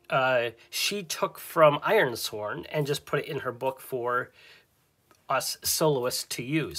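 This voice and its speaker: A man's voice: medium pitch, a bit bright. A man narrating a solo tabletop game as his own game master, thinking aloud and hesitating often.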